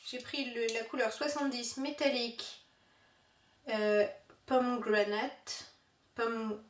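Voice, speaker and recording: A woman's voice: fairly high pitch, a little slow, reverberant, distant mic, noisy background. A woman chatting casually about beauty products she bought, hesitant with many fillers. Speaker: beauty vlogger. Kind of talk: casual haul video chat.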